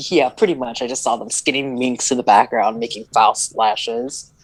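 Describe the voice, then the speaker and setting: A woman's voice: a bass voice, unhurried, slightly rough, low-quality recording. A woman on a podcast retelling a movie plot in casual chat, full of "like" fillers and stumbles over words. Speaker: podcast co-host.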